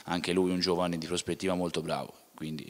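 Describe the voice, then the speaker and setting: A young man with a low voice answers questions as a footballer, speaking plainly and often restarting his phrases. He talks into a handheld mic in an indoor room. The room adds a long reverb behind him. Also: level tone, fairly quick, a bit bright. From Tuscany, Italy. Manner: plain, with frequent restarts and filler "ecco". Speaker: footballer, interview guest. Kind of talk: casual interview answers. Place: indoor club museum room.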